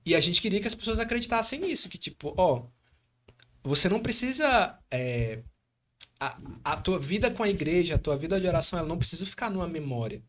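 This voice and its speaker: A man with a Brazilian accent from Espírito Santo, hosting a podcast in casual, animated chat full of slang fillers. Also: high voice, a little fast. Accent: Espírito Santo Brazilian Portuguese. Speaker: podcast host.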